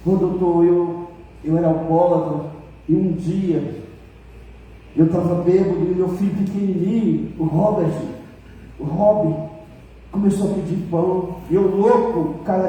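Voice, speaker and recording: Preacher doing a dying old ex-drunk, Brazilian accent, slow pleading, dark voice, echoey hall. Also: male voice, sits high, steady tone, far from the mic, slight background noise, close to an everyday voice. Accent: Brazilian Portuguese. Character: dying old man, a repentant former drunk.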